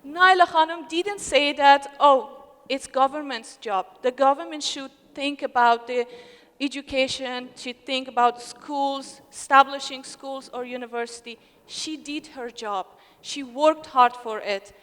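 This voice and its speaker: A young woman from Afghanistan giving an earnest, emotional speech at a ceremony, often halting and restarting her words. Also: high-pitched, a bit bright. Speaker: scholarship recipient speaker. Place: hotel ballroom. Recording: long reverb of a large hall.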